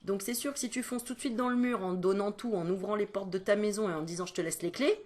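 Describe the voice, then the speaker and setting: A woman's voice: medium pitch, steady tone, fast, a little mellow. A woman energy healer chatting through spiritual advice at home, digressing often and adding joking asides. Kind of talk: casual spiritual advice vlog.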